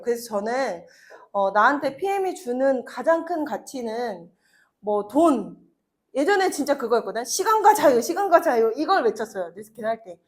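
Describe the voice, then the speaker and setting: A woman in her thirties giving a chatty motivational talk to an audience, telling personal stories with laughs and acted-out quotes. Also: on the high side. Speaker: network marketing speaker.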